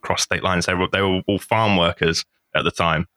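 A man's voice: deep voice, fairly even intonation, moderate pace, sharp tone, dry recording, clean studio sound. A man, a professional game master, chatting on a podcast in a rambling way. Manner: rambling, self-correcting storyteller. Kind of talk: casual podcast chat.

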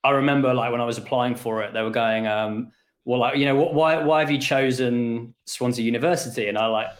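A man in his thirties with an English accent mixed with some Australian, telling stories in a relaxed, rambling way as a podcast guest. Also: mid-range voice, brisk. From England. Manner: relaxed, rambling, many fillers and restarts. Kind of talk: casual interview storytelling. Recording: echoey room.

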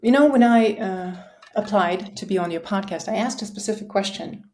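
This is a woman from Kazakhstan who speaks English, at an ordinary mid pitch. She is a teacher and a podcast guest. She presses her points about learning in an earnest, emphatic way. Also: normal speed, a little mellow. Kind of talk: podcast conversation.

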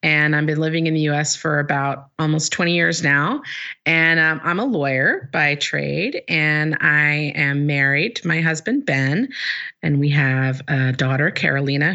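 Gravelly woman from Egypt on a dull line. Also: low-pitched, pushed and bright. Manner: chatty, self-deprecating, many fillers. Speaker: guest interviewer. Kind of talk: casual chat.

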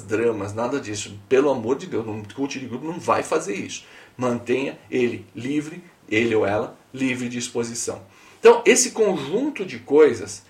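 Brazilian male podcast host, emphatic, direct address, gravelly, slightly off-mic. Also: medium pitch, distant mic. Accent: Brazilian Portuguese. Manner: emphatic, talks straight to the listener. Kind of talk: podcast monologue.

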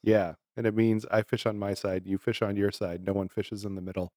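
A man's voice: on the low side, flat delivery, fairly quick, darkish tone, no room sound, clean studio sound. A man from Massachusetts co-hosting a podcast in casual chat, telling stories in a rambling way and laughing often. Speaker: podcast co-host.

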